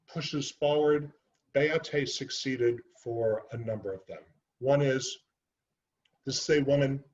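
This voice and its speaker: A man's voice: mid-range voice, lo-fi sound. A man giving an author talk, speaking earnestly and unhurriedly about his book, with frequent ums and uhs. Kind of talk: library author presentation.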